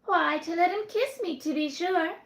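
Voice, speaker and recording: A woman doing a coy, sing-song young barmaid. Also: moderate pace. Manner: demure, teasing, high and sing-song. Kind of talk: read-aloud storytelling. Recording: roomy echo.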